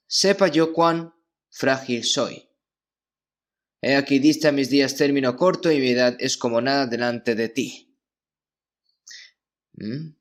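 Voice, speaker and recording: A man of medium pitch preaches in a church, reading out verses and stopping to explain them. His delivery is measured and unhurried, and he keeps checking in with his listeners through short questioning tags. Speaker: pastor. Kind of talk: sermon.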